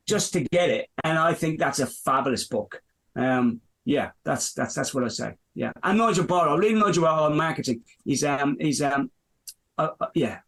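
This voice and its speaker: The audio here is poor, but you can hear a slightly high, somewhat bright voice belonging to an Irishman in his fifties from Dublin. He runs a business and meanders through podcast interview answers, restarting often and leaning on fillers.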